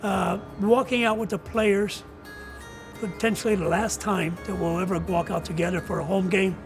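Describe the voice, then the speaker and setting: An older man, a retiring coach, giving earnest, reflective interview answers in a deliberate way with pauses. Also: high-pitched, steady tone, music in the background. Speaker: retiring college soccer coach.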